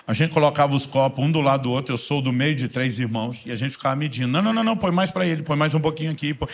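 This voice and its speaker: A middle-aged man, preaching a sermon in a conversational storytelling way that sometimes sinks soft and low.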